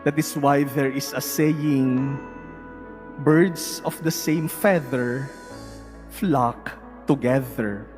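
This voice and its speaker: A male priest with a Filipino accent, reading the gospel and preaching in a slow, measured liturgical way, his voice ringing with a long cathedral echo. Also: medium pitch, a little mellow. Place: large church. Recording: reverberant church with faint music.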